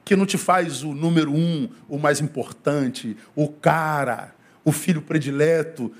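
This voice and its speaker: A man's voice: a little high, unhurried. A man from Brazil, a pastor preaching a sermon in a humorous, slangy, conversational way, mimicking pompous prayers.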